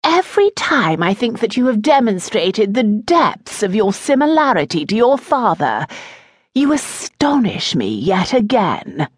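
A woman voicing a haughty aristocratic older mother with an arch, sarcastic, measured delivery. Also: medium pitch, very animated, husky, dry recording, studio quality, voice pushed up. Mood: cutting.

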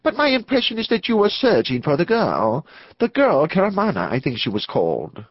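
A man voicing a nervous, excitable clergyman in an audiobook, hesitant and emphatic, in a slightly dull recording. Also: sits high, brisk, no room sound, pitched above the performer's own voice, full character voice. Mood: diffident. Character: nervous, excitable clergyman with truculent fierce energy. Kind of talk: audiobook character acting.

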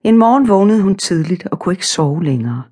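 A woman narrating a children's storybook audiobook in a calm, simple, measured way. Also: on the low side, slightly rough.

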